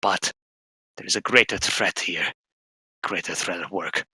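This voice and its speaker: A man's voice: low voice, measured pace, sharp tone, slightly rough, no echo, studio quality, voice pushed down, exaggerated voice. A man voicing an earnest fire angel in a tabletop game, speaking in grave, formal declarations of peril. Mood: grave warning. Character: male fire angel, earnest heavenly warrior warning of peril.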